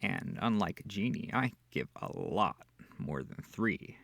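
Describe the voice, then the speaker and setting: A man's voice: sits low, animated, a little slow, fairly bright tone, no echo, heavily acted. A man playing a smug, seductive incubus demon in an intimate ASMR roleplay, with theatrical, teasing delivery. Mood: seductive, menacing. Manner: theatrical, teasing, purring, breathy asides.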